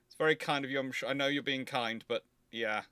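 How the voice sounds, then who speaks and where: A man's voice: mid-range voice, fairly even intonation, brisk, pushed and bright, clean tone. A man hosting a livestream, chatting casually as he explains and answers questions in an emphatic, rambling way. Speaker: host of a naval history question livestream.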